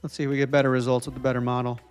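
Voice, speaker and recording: A man's voice: medium pitch, level tone, rapid-fire, soft background music. A young man from New Jersey hosting a live stream, thinking aloud as he codes and answering viewers in casual chat.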